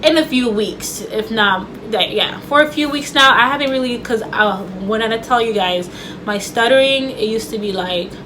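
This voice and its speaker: Woman vlogger with a mild stutter, chatty and loose, at home, soft AC hum in the background. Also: on the high side, moderate pace. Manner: stutters, with repeated words and restarts; chatty and loose, with many fillers. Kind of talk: casual talk to camera. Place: home room with air conditioner running. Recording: faint air conditioner hum.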